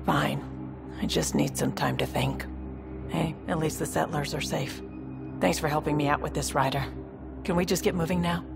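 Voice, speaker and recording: Low, gravelly alien mercenary woman. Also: steady tone, normal speed, over music. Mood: weary. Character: protective, weary alien mercenary older sister. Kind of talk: dramatic video game acting.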